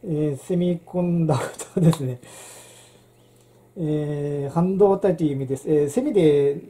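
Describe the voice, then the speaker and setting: A woman's voice: deep voice, normal speed, mellow, a little hiss or hum. A middle-aged woman, hosting a casual handwriting lesson and rambling with many fillers and restarts. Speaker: channel host.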